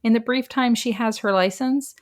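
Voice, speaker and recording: A woman's voice: fairly high pitch, normal speed. A woman hosts a casual true crime podcast and walks through the case step by step. Her telling is chatty and wry, often broken by a laugh. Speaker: podcast host.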